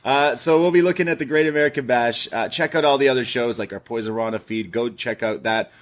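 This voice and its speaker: A man's voice: mid-range voice, fast talker. Laid-back podcast co-host, a man in his thirties, mid-range voice, easygoing delivery. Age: 30s. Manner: laid-back, reads messages aloud, laughs easily. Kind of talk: casual podcast chat, reading listener mail.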